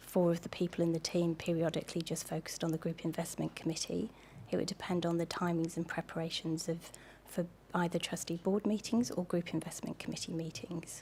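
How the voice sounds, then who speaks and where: Soft-spoken and somewhat breathy, a woman talks at a fairly quick pace. Her voice is fairly low and dark, mellow in tone, with fairly even intonation. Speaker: finance company executive, witness. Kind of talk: witness testimony. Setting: hearing room, courtroom. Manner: formal.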